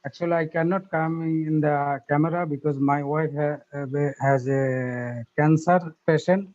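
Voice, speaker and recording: A man from Bangladesh with a Bangladeshi accent, giving a slow, formal, halting thank-you speech on an online call, with frequent pauses and fillers. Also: fairly high pitch, fairly even intonation, darkish tone. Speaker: webinar participant. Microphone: phone or computer call audio. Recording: muffled online call audio.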